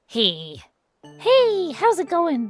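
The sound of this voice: Faint music plays in the background behind a nasal, put-on character voice.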